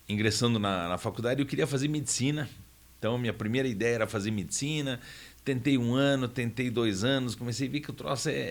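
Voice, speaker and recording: A man in his fifties from southern Brazil, a guest in a radio studio interview, speaking hesitantly with frequent fillers and restarts. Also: medium pitch. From Paraná, Brazil. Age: 50s. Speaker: guest, honorary consul.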